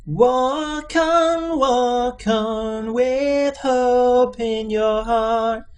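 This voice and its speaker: A man's voice: very high voice, clean tone, soft background music, pitched above the performer's own voice, heavily acted. A man voicing a cheerful, oblivious spaceship computer with a nasal, singsong delivery in an audiobook. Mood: wailing croon. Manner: chirping, crooning, drawn-out delivery. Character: cheerful, chirpy male ship's computer, breezily oblivious. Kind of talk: audiobook character voice.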